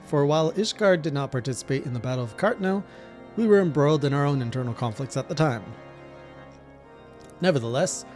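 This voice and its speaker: A gracious noble commander voiced by a man reading game dialogue greets a traveler in stately, old-fashioned phrasing. The voice sits at an ordinary middle pitch, formal and unhurried rather than theatrical. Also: darkish tone, close to an everyday voice. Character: courteous noble male knight commander.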